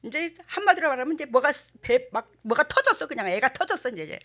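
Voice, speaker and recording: An older woman pastor, preaching a sermon and telling stories with animated acted-out quotes. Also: high-pitched, fast talker. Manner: animated storytelling, acting out quotes.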